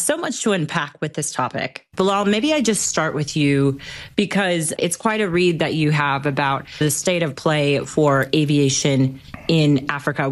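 A woman hosting a news interview, asking questions in an engaged conversational way. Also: low voice. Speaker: host.

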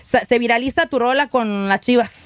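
Lady radio host, chatty and upbeat, kinda high voice, dry booth. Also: brisk, no echo. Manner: chatty, upbeat, many fillers. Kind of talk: radio interview hosting.

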